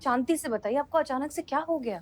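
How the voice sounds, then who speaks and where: A composed woman station chief, played by an actress in a TV police serial, soothing and measured. Her voice is fairly high, and loud music plays under it. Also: natural voice. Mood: calm authority. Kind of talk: TV serial acting.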